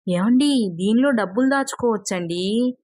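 A woman doing a gentle young farm wife. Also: on the high side, moderate pace, natural voice.

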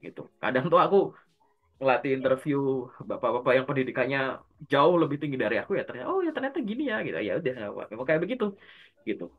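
A man's voice: mid-range voice, expressive, fast, phone-quality sound. Man coaching over a video call. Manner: explains step by step, poses and answers his own questions. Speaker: job interview coach. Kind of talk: casual coaching session.

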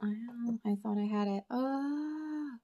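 A woman's voice: on the high side, takes it slowly, warm tone, highs cut off. A young woman chatting casually to viewers as she sorts jewelry at a table, thinking aloud. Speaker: storage unit reseller and vlogger. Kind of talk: casual chat while sorting jewelry. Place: indoors at a table. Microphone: camera over a table, hands only in frame.

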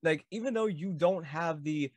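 A man's voice: on the high side, moderate pace, no echo. A man in his thirties hosting a video-call interview, eager and fan-like, with frequent stumbles and restarts. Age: 30s. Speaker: podcast host.

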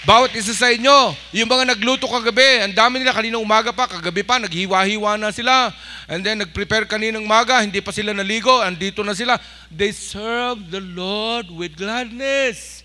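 A man with a Filipino accent preaching a lively sermon as pastor, switching between Tagalog and English and rousing his congregation. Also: sits high, quick pace.

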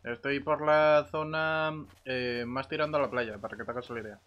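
A man streaming a roleplay game, chatting casually in a halting, hesitant way. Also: mid-range voice, fairly even intonation, dull audio, a little hiss or hum.

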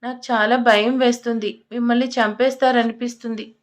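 Storybook role: an anxious, tearful young mother, read by a woman narrator, fairly high voice. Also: little pitch movement, normal speed, natural voice. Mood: frightened. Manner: pleading, tearful.

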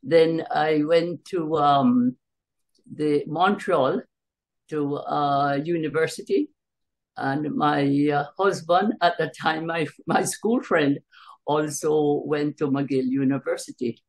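An older woman from Jamaica recounting her family history in an interview, hesitantly, with long pauses, on a video call from a room at home. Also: low-pitched. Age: older, around 70s. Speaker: interview guest, author. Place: small bright room at home, indoors. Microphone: computer mic on a video call.

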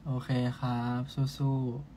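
A man's voice: takes it slowly, warm tone, a little hiss or hum. A young man casually chatting on a live stream, reading viewer comments aloud and bantering playfully with them.

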